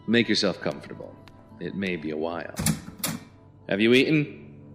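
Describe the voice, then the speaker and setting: An actor playing a calm villain in an audio drama, unhurried and falsely courteous with quiet menace. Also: male voice, low-pitched, music in the background. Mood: smooth menace. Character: calm, soft-threatening male villain holding captives.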